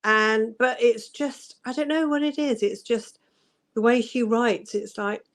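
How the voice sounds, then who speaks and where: A woman guest on a casual book chat, unhurried, searching for words and laughing easily. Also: fairly high pitch. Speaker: guest co-host.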